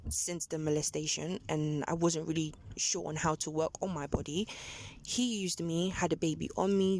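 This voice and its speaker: A woman's voice: low voice, darkish tone. A woman, a taxi rider telling her life story in a plain, matter-of-fact way, with restarts along the way. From London. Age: 20s. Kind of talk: personal life story told in conversation. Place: back of a taxi. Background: child's noise and ambience.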